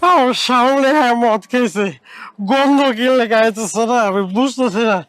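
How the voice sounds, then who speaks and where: A man's voice: very high-pitched, moderate pace, fairly bright tone, clean tone, dry recording. A man playing a scheming, flustered drinker in a Bengali comedy skit, exclaiming and pleading over music.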